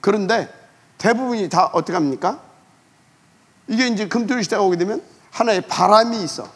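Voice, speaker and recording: A man preaching a sermon as pastor, emphatic, asking rhetorical questions and letting phrase ends trail off quietly. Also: sits high, moderate pace, breathy edge.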